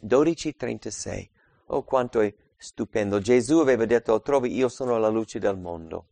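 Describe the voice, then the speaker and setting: A man preaching a Bible study, reading scripture aloud and explaining it, swinging between loud emphatic passages and quiet asides. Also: fairly low pitch, moderate pace, creaky, no room sound. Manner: reads scripture aloud and explains it, calling out verse numbers.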